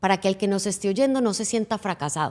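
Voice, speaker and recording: This woman has a plain, everyday voice at a medium pitch, with ordinary pitch variation and a fairly quick pace. The recording is very clean, with a silent background. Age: 50s. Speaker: business coach. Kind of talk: podcast interview.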